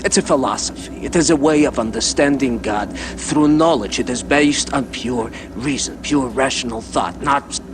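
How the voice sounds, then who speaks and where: An actor playing an older Jewish scholar with a Yiddish accent, philosophical and halting, repeating words, in a video game cutscene. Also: male voice, mid-range voice, background noise, natural voice. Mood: eager, teaching. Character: old Jewish scholar, philosophical, doubting, fond of riddling talk. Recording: game audio under loud music.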